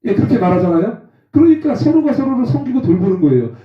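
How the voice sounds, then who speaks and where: A man in his forties preaching a testimony sermon, lively and acting out rough quarrels in slang. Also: very high-pitched, quick pace. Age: 40s. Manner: animated, acts out rough phone quarrels with slang. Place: church hall. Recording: roomy, distant, dull sound.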